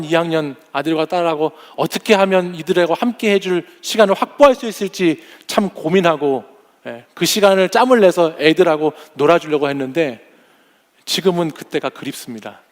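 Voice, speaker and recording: A pastor in his forties preaching a sermon, telling humorous family stories and acting out his kids' voices. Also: a little high. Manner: warm storytelling with humorous anecdotes; acts out family members' voices.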